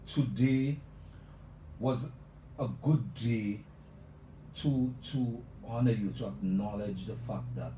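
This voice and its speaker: A male radio host talking effusively on a live show, repeating "let me tell you" as he builds up his guest. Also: on the low side. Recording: echoey room, mic at a distance, noisy.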